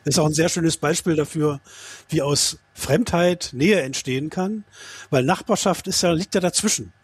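A man's voice: a little high, normal speed, breathy edge, dry recording. A man speaking as a studio guest, reflective and explaining.

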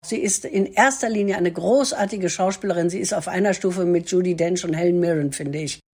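A woman's voice: on the low side, fairly quick, darkish tone. An older woman in an interview, speaking heartfelt words about a lifelong friendship. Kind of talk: personal interview.

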